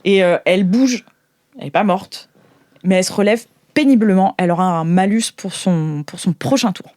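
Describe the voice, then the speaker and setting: A woman with a French accent improvising narration as game master of a tabletop role-playing game, thinking aloud in halting phrases. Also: medium pitch, warm tone, no room sound, studio quality. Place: studio.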